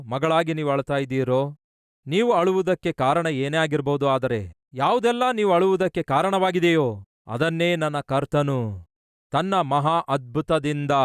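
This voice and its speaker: A man preaches to his congregation with a fairly high, smooth and resonant voice. He puts questions to his listeners, answers them himself and stacks up long runs of repeated phrases. The sound is dry and close to the mic. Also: no room sound. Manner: reads out Bible verses. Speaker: pastor. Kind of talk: sermon.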